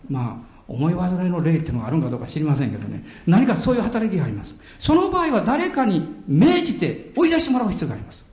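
An older man preaching a sermon, telling stories with dramatic pauses and chuckles. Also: sits high, huge pitch swings, a little mellow, echoey room. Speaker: pastor.

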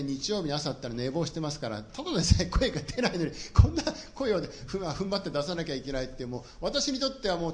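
A middle-aged man preaches a sermon in a quick, animated delivery. His slightly high voice rises and falls freely as he shares humorous personal stories with the congregation. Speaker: pastor.

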